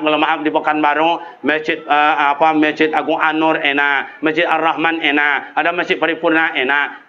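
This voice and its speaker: A man preaching a sermon to a gathering, firing off rhetorical questions and leaping up high in pitch. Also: bright, forceful tone, highs cut off.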